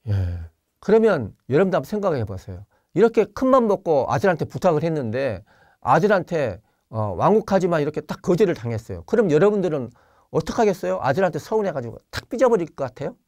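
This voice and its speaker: A Jeolla-born priest lectures over a video call, his pitch rising and falling with lively expression. He explains gently, pausing often with fillers, and slips into acted quotes. The sound is dry and close, with little room in it. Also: dry recording. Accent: Jeolla Korean. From Jeolla, Korea. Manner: gentle explaining tone with many pauses and fillers, acts out quoted lines. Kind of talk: online spiritual lecture.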